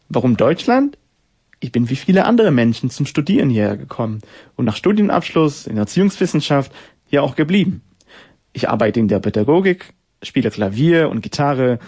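Measured young man hosting a radio feature. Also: medium pitch, a little mellow, husky. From Israel. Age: 20s. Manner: measured, rhetorical, list-like delivery. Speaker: radio host. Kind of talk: radio feature narration and interview.

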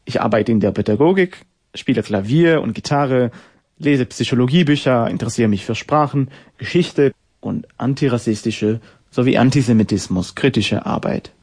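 An Israeli-born man in his twenties hosts a radio program and speaks German as a second language after Hebrew. His voice is dark and a little husky, and he delivers scripted narration and measured questions in a reflective way. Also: medium pitch. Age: 20s. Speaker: radio show host.

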